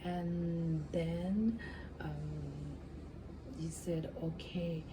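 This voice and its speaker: A woman telling a fairy tale in ASMR style, improvising in a halting way with hums and drawn-out pauses. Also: lowish voice, steady tone. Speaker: ASMR storyteller. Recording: clearly noisy background.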